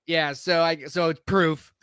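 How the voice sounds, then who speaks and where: A man's voice: fairly high pitch, steady tone, slow, pushed and bright, clean tone, no room sound, clean studio sound. A man co-hosting a podcast in casual chat, rambling with frequent restarts, his voice a bit scratchy from allergies. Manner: rambling, restarts often, laughs. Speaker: podcast co-host.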